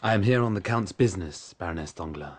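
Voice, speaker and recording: An actor playing a polite male servant who speaks calmly and formally in a radio drama. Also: low-pitched, fast, breathy edge. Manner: calm, courteous, formal.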